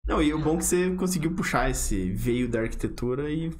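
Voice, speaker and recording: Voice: medium pitch, expressive, brisk, darkish tone. A host interviewing a guest, chatty with lots of fillers and short backchannels. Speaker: podcast host. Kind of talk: casual podcast interview.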